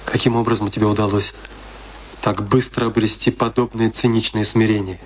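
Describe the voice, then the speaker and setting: A man's voice: fairly low pitch, level tone, moderate pace, slight background noise, lightly acted. An actor as an earnest, troubled middle-aged man. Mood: troubled, searching. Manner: earnest, questioning, reflective. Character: troubled, compassionate middle-aged confidant, searching and perplexed. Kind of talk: theatrical radio play dialogue.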